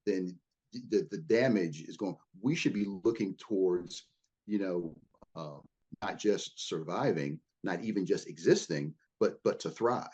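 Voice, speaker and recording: A man with a lowish, husky voice talks earnestly as a podcast guest, circling back over his words as he builds each point. The audio sounds a bit muffled and lo-fi. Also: measured pace, a little mellow. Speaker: guest, leadership consultant. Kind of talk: conversational podcast interview.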